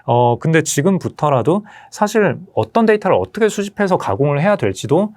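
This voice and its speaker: A man who heads an asset management firm, explaining markets and technology as an interview guest in a measured, explanatory way. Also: a little high, big pitch swings, a little mellow.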